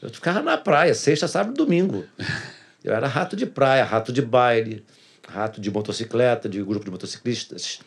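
Husky man telling his testimony. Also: mid-range voice, very animated, fairly quick. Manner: earnest storyteller who repeats phrases for emphasis. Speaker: pastor. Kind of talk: personal testimony in a casual interview.

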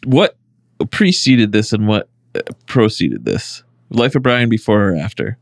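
A man co-hosting a casual podcast, blunt and sarcastic, dropping curses without a second thought. His pitch swings up and down in a lively way, while the recording sounds close and dry. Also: unhurried, gravelly, dry recording. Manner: blunt, sarcastic, swears freely. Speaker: podcast co-host. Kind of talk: casual chat.

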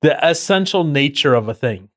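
A male podcast host with a somewhat high voice talks in an easygoing, chatty way. He laughs often as he sets things up and explains the rules, keeping the tone loose and casual. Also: animated, moderate pace, a bit bright.

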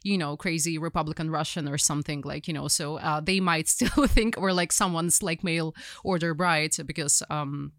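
A woman's voice: sits low, moderate pace, few pauses, a bit bright, dry recording. A young woman with a Ukrainian accent, a journalist guest telling her story in casual conversation, rambling with many fillers and restarts.

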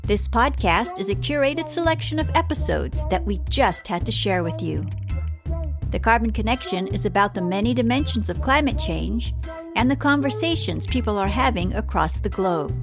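A woman's voice: mid-range voice, lively intonation, normal speed. Woman host, upbeat scripted intro, music bed underneath. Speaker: podcast host. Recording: voice over clear music.

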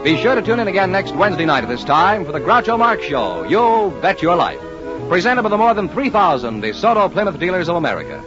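A man's voice: high-pitched, sing-song, fast, music in the background. A man reading scripted announcements and ads on a 1950s radio show in a polished announcer delivery. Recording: lo-fi old radio broadcast.

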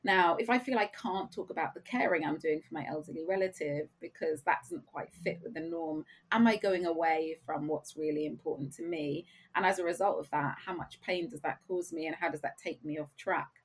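A woman guest on an interview podcast, a career coach, explaining her views in a measured way with rhetorical questions. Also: low voice, slight background noise. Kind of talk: conversational interview.

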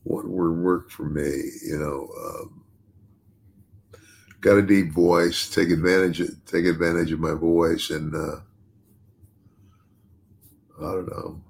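An older man, chatting on a podcast in a halting way, repeating himself and laughing often. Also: steady tone, creaky, darkish tone, a little hiss or hum. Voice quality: deep bass voice. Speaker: podcast host and retired wrestler. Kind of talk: casual podcast chat.

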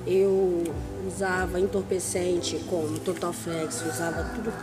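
A woman in her thirties speaks quietly and haltingly in a testimony. Music plays clearly beneath her voice. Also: on the low side, flat delivery. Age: 30s. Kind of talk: recorded testimony.

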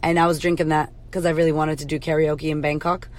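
A woman with a husky, hoarse voice hosting a podcast, giving blunt, swear-laden motivational advice in a casual pep-talk. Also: low-pitched, level tone, fast talker. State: hoarse from karaoke. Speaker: podcast host, confidence coach.

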